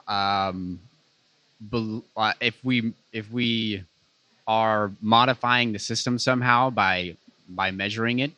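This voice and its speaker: Man, fairly low voice, bright, halting question, dry sound. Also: no echo. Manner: halting, cuts off his own words. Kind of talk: live panel discussion.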